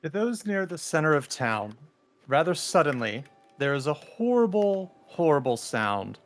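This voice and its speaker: A man narrating a roleplay event as game master, describing the scene slowly and ominously. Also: fairly high pitch, very animated.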